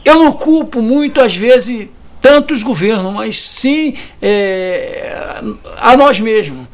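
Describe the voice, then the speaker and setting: Slowly and with lively intonation, a man from Brazil in his fifties gives angry interview testimony about evictions in a very high voice. As a community resident, he often ends sentences with a question tag and stumbles into hesitant restarts.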